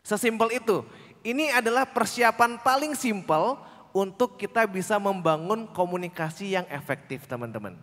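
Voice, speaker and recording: A man giving a lively public speaking workshop talk at a youth conference, teasing the crowd and acting out short quoted lines. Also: high voice. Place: large conference hall. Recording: reverberant hall sound.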